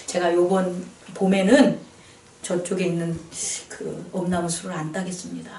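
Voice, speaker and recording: A woman's voice: on the low side, normal speed, slight background noise. A woman pastor preaching a sermon, drawing answers from her congregation with questions. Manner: animated preaching with call-and-response questions. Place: small church. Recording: echoey church hall, mic at a distance.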